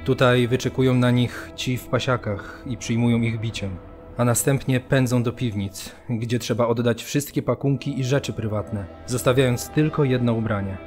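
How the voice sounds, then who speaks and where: An actor playing a sombre prisoner, narrating his memories gravely and deliberately in a radio drama. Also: mid-range voice, steady tone, a little mellow, faint music behind, lightly acted. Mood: grim account. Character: sombre male camp prisoner stripped of his identity.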